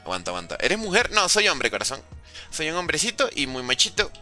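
With huge pitch swings and a bright, forceful tone, a Venezuelan streamer speaks a little fast in a slightly high voice over faint music. He's gaming from a room with a window at home, reading chat aloud and joking with viewers in easygoing live-stream talk.

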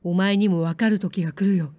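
Storybook samurai boy, earnest, proud, low and restrained delivery, as a woman reader plays him. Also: fairly even intonation, brisk, dark tone, no echo, lightly acted. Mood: firm.

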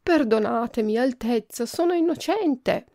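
A woman's voice: mid-range voice, expressive, moderate pace, vocal fry, darkish tone, dry recording, studio quality. A woman voicing a small, proud lawyer. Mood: pleading. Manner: pleading, then defiant.

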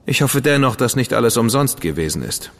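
A confident Victorian gentleman agent with an ordinary mid-range voice, self-assured and probing in every question. A long reverb hangs behind him. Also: medium pitch, big pitch swings, a little fast. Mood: defensive. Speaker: agent of the crown. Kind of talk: studio radio drama acting.

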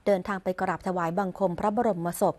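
A woman reading the royal court news in a measured, formal and even voice as a scripted broadcast voice-over. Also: mid-range voice. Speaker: news reader.

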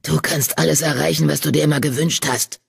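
An audiobook reader voicing a ghostly male cat leader who whispers temptations in a low, hissing voice. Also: steady tone, fairly quick, vocal fry, slightly rough, full character voice. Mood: tempting. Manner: urging, seductive.

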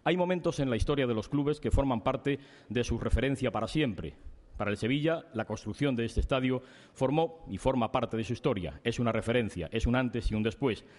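A middle-aged man giving a formal ceremonial speech at a podium microphone, measured and solemn, building his points in lists of phrases. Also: medium pitch, darkish tone. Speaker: speaker at a club awards ceremony. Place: large indoor reception hall. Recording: reverberant hall via PA.

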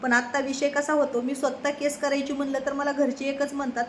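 A woman's voice: sits high, little pitch movement, a little fast, a little hiss or hum. A woman delivers a defiant, scolding monologue straight to the camera. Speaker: social media creator.

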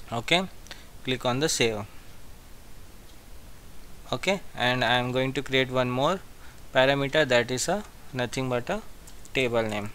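A man giving a step-by-step software tutorial as an instructor, repeating his phrases as he goes. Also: medium pitch, slight background noise. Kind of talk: screen-share software tutorial.

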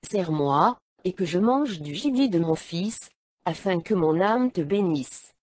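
Woman reading old blind patriarch, solemn, slow, mellow, dry. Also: on the low side, animated, husky. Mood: grave.

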